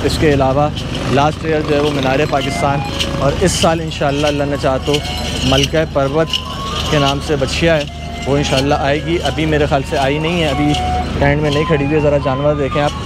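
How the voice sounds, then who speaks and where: A man with a Pakistani accent gives admiring, casual walk-through commentary as a vlogger, peppered with pious exclamations. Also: on the high side. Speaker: cattle market vlogger. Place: large open-sided tented cattle market at night. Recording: loud market ambience and background noise.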